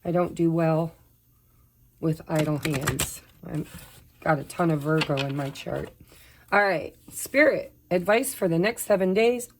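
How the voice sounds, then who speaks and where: Slightly hoarse woman reading tarot. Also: low-pitched, unhurried, slight background noise. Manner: chatty, apologetic, tells personal updates while shuffling. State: slightly hoarse, recovering from laryngitis. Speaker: tarot reader. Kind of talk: casual pick-a-pile tarot reading.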